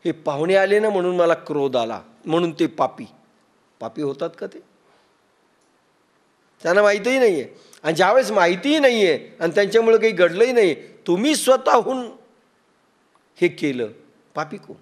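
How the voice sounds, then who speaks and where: A man with a Marathi accent gives a sermon in a fairly high voice. He tells stories, acts out quotes and uses everyday examples to make his point, and chants scripture verses slowly. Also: animated. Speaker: spiritual teacher.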